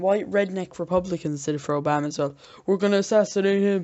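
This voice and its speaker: A woman talks at a fairly quick pace in an unremarkable speaking voice, fairly low in pitch with ordinary pitch variation. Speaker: YouTube commentator. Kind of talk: opinion commentary vlog.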